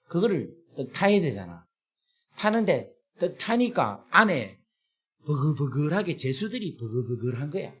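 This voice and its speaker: A man with a Gyeongsang accent preaching a revival sermon at a prayer retreat, earthy and colloquial, at times breaking into shouts. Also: mid-range voice, breathy edge. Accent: Gyeongsang Korean. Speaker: pastor.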